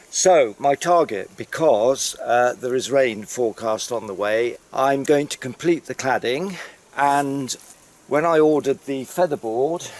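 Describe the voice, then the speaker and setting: The delivery is fairly slow. It comes in an English accent. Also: man, fairly high pitch for a man, ordinary pitch variation. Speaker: woodworker. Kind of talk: tutorial. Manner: low energy.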